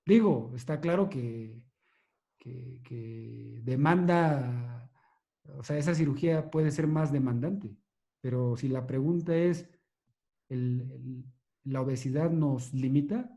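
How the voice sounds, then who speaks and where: A male neurosurgeon delivers a measured, explanatory lecture and fields questions, hesitating and restarting as he goes. His voice sits in the mid range and sounds mellow, though the audio is dull.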